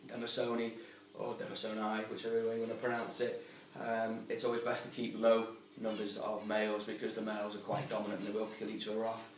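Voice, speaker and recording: A man gives an informal, rambling how-to talk in an even, level voice. He sounds some distance from the camera mic, with roomy echo and faint ambience behind him. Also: on the low side, fast, few pauses, slight background noise. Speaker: aquarium hobbyist and channel host. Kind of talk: casual how-to explanation.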